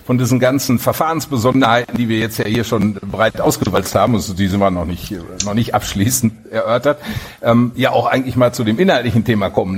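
A man's voice: fairly low pitch, husky. A man talking as a lawyer in a conversational discussion, explaining at length in a discursive way. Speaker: lawyer, podcast guest.

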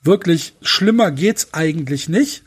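Man, fairly high voice, casual podcast host, frustrated rant, lots of fillers. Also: lively intonation, a little slow, slightly rough. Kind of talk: casual chat.

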